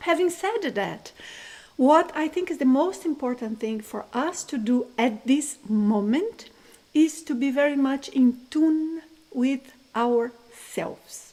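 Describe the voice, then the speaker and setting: A woman's high voice at a very slow pace, with lively intonation. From Italy. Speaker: energy work and meditation teacher. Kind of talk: live online workshop talk. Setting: online live session. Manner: mumbling.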